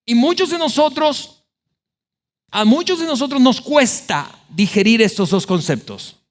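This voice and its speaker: Male pastor, high voice, animated sermon delivery with acted-out quotes. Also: a little slow.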